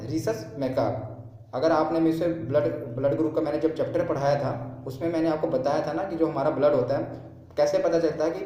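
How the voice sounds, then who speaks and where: Male teacher, mellow tone, quizzing and repeating, very echoey room. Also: on the high side. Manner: asks and answers his own questions, repeats key terms. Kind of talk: exam-prep lesson.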